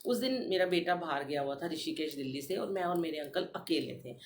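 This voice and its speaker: A middle-aged woman hosting a devotional podcast, telling a personal story in an animated way and addressing the listeners directly. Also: sits low, a little fast, slight background noise. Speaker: satsang podcast host.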